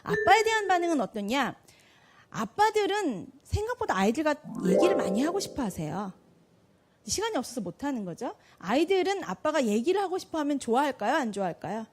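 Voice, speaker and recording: High, lively woman giving a parenting talk. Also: faint music behind. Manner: acts out parents' and kids' lines in quick voices; asks the audience questions and answers them. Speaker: parenting speaker.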